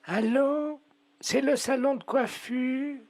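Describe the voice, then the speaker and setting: Man playing a half-deaf old woman, high-pitched, prank phone call, feigned mishearing, mock-sweet, dry close sound. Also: fairly even intonation, takes it slowly, dry recording, exaggerated voice. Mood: muddled. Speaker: prank caller.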